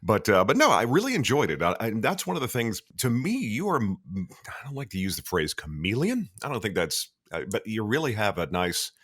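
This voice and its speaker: A man in his fifties hosts a podcast, chatting loosely and folksily. His voice is deep but swings widely in pitch, and the sound is close and dry. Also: sing-song, brisk, hardly any pauses, fairly bright tone, no echo. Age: 50s. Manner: folksy, loose and friendly, with many fillers. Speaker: podcast host. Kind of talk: casual interview chat. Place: home in South Texas.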